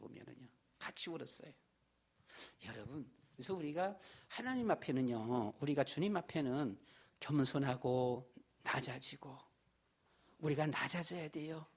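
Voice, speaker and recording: A man's voice: a little high, creaky. A middle-aged man, a pastor, preaching a Sunday sermon in a church in a folksy, repetitive way. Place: church sanctuary.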